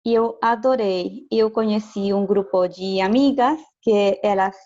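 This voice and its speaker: A woman's voice: mid-range voice, fairly even intonation, a little slow, a little mellow, lo-fi sound. Chilean woman, hesitant careful Portuguese. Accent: Chilean Spanish. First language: Spanish. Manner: careful, hesitant, laughs often. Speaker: interview guest, education lecturer. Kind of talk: casual video call interview.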